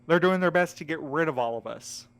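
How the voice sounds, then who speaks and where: An actor in an audio drama playing an earnest, protective friend, direct and plain-spoken with mild sarcasm. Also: male voice, a little high, fairly quick, fairly bright tone. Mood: urgent. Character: earnest, protective, exasperated male friend and mediator.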